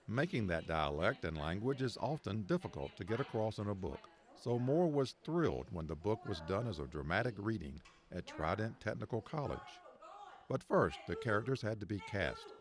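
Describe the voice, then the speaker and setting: A man's voice: on the low side, sing-song, normal speed. A man reading scripted narration as the reporter of a feature story.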